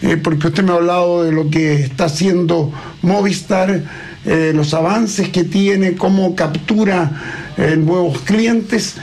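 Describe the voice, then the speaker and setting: A man's voice: sits high, fairly even intonation, slow pace, a little mellow. A man hosting a radio show, asking questions in a friendly, chatty manner. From Chile. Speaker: radio host.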